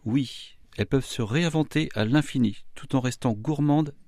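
A man's voice: medium pitch, normal speed, a little mellow, no echo, clean studio sound. A man appearing as a chef guest on a radio show, answering questions and explaining recipes in an assured way.

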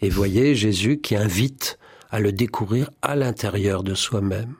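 A low-pitched man with a husky edge talks in a fervent, preacherly way, often quoting scripture. He is a guest in a spiritual radio interview, and the sound is close and dry. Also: a little slow, darkish tone, no echo. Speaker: priest and songwriter, interview guest.

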